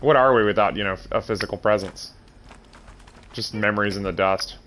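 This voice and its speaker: A man's voice: on the low side, fairly quick, a bit bright, a little hiss or hum. A man streaming a game who sounds nasal and congested, rambling in chatty asides to his viewers. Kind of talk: casual game commentary.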